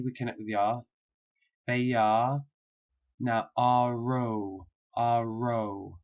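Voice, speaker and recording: A man teaching a pronunciation lesson, repeating sample phrases slowly and patiently for learners to copy. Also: medium pitch, highs cut off. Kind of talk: slow, drilled pronunciation lesson.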